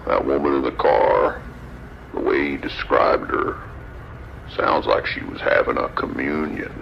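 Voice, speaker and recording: A sinister trucker in a radio drama, relishing the morbid. His voice is extremely low and gravelly, drawling slowly and menacingly. It comes through a dull, noisy CB radio. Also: heavily acted. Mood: gleeful, taunting. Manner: menacing, taunting, theatrical drawl. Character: sinister, gleeful male trucker with morbid fascination.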